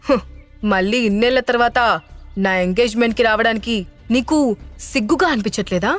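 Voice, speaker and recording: Bitter, loud young man, voiced by a woman narrator in an audio story. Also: a little high, fairly quick, soft background music, natural voice. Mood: bitter accusing. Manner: loud, accusing.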